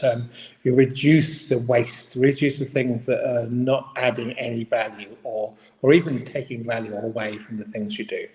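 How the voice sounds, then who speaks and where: A man's voice: mid-range voice, darkish tone. Rambling man in a big echoey hall. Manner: rambling, thinking aloud, with frequent restarts. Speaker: small-business coach and host of a daily live video. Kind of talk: unscripted live talk to viewers. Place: large echoey room.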